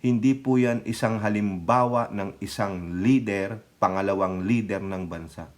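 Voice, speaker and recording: A man's voice: lowish voice, measured pace. A man giving casual political commentary as a vlogger, sarcastic and mocking, laughing often and speaking straight to his viewers. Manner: addresses viewers directly as countrymen.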